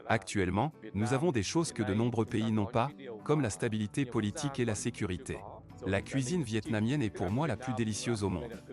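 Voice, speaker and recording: A man reading translated interview answers as a voice-over in a calm, plain way. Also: lowish voice, a little fast, over music.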